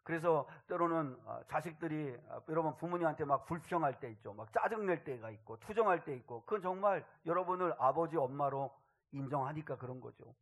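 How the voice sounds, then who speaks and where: A man, a pastor, preaching a sermon in a storytelling way that builds to loud, impassioned outbursts. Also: a little high, lively intonation, brisk.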